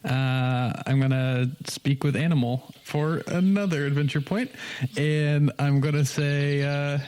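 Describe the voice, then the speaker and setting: A man's voice: fairly high pitch, fairly even intonation, measured pace, a little mellow, smooth. A man playing a tabletop roleplaying game, improvising in-character chat in a hesitant, joking way that repeats words.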